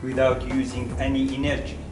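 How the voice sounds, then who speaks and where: A man from northern Iraq, an inventor, answering interview questions in short, halting phrases. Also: medium pitch, completely flat delivery. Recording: roomy, distant, music underneath.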